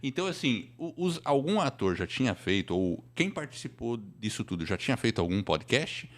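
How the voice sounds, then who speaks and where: A man's voice: medium pitch, big pitch swings, a little fast. A Brazilian man hosting a podcast, chatting casually and putting questions to his guest. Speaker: podcast host, interviewer. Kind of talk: casual interview chat.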